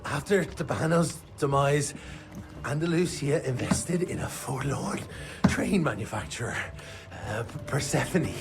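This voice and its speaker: A man's voice: on the high side, lively intonation, measured pace, creaky. A man acting a cowardly, slippery arms dealer in a video game, whiny and theatrical. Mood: nervous, explaining.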